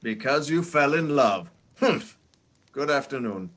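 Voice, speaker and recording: An actor playing a miserly, scornful old uncle in a radio play, with a curt, grumbling delivery. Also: male voice, mid-range voice, expressive, a little slow, fairly bright tone. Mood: curt, dismissive.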